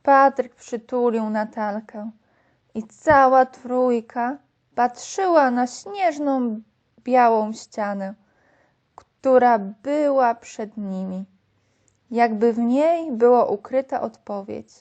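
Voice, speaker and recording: Woman, storyteller, high voice, slow children's story reading, dull lo-fi sound. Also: a little mellow.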